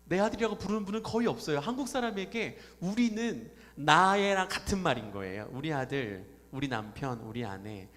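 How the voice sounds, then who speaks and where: A man's voice: on the high side, lively intonation, fairly quick, hardly any pauses, a bit bright. A man preaching a Sunday sermon as pastor, talking conversationally and putting questions to the congregation. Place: church sanctuary. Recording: reverberant church hall.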